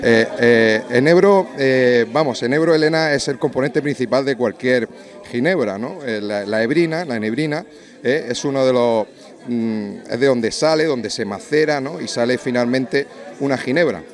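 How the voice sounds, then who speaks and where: A man in his forties giving an interview at a busy restaurant event, speaking into a handheld mic with a fluent sales pitch full of "eh" fillers. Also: moderate pace, some chatter behind. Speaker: drinks company representative.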